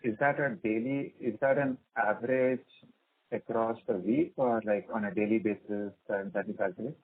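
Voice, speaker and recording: A man with a husky voice, asking questions as a financial analyst on a conference call. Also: fairly low pitch, fairly even intonation, normal speed, no room sound. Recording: dry narrow phone line.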